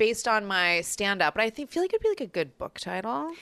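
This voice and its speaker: A woman with a bright, sharp tone talks at a fairly quick pace, her pitch swinging very widely. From Indonesia. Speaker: writer and comedian. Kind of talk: casual chat.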